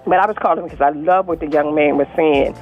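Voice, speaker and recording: A woman's voice: low-pitched, fairly even intonation, fast talker, dull audio, soft background music. Rambling older woman calling in. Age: 60s. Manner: earnest, rambling with many restarts. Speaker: caller. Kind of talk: casual call-in chat.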